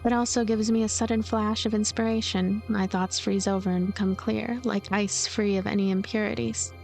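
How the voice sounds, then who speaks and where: A woman's voice: medium pitch, fairly even intonation, moderate pace, vocal fry, a little mellow, faint music behind, natural voice. A woman voicing a cynical, lonely girl who narrates her own visual novel story in a blunt, wry, calculating way. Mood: sardonic. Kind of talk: first-person visual novel narration read aloud.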